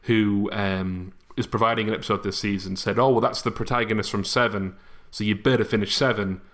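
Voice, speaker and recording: A man's voice: lowish voice, steady tone, brisk, fairly bright tone. A man chatting casually as a podcast host, with a wry, self-deprecating manner. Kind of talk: casual chat.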